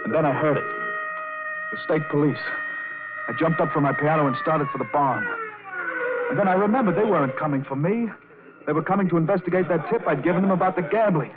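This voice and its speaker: A man's voice: a little high, lightly acted. An actor playing a nervous piano player who narrates his own crime in tense first person, in a 1950s radio drama on a tinny old broadcast. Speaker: narrator and lead.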